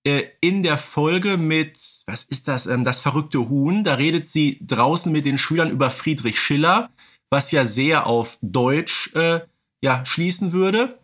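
A man's voice: fairly high pitch, lively intonation, measured pace, a bit bright. A man hosting a podcast, talking casually in a fan discussion. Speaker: podcast host.

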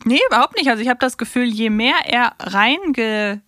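A woman's voice: on the high side, normal speed, bright, forceful tone, no room sound, studio quality. A woman co-hosting a podcast, chatting casually as she recaps an audio play. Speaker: podcast co-host.

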